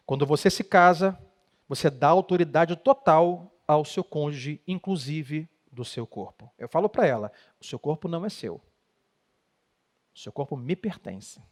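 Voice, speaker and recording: A middle-aged man with a Brazilian Portuguese accent, a pastor preaching emphatically on marriage. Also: on the high side. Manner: emphatic preaching, acts out quoted spouses. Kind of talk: sermon talk on marriage.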